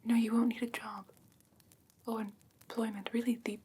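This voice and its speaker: A woman playing a doting, slightly haughty fae creature in a soft, breathy ASMR whisper, gentle and genteel with coaxing endearments. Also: a little high, little pitch movement, normal speed. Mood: tender, reassuring. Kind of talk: whispered ASMR fantasy roleplay.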